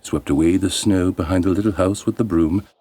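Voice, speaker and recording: A man tells a bedtime fairy tale as a storyteller, his delivery measured, expressive and deliberate. His voice sits low.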